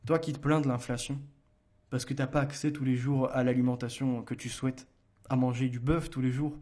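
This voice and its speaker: A man with a mellow, darker voice hosts a solo commentary show. He speaks in a middle pitch. He challenges his listeners with pointed rhetorical questions, often hesitating and restarting mid-sentence. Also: little pitch movement, a little fast. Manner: argumentative, addresses listeners directly with rhetorical questions. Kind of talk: solo political commentary, reading book passages aloud.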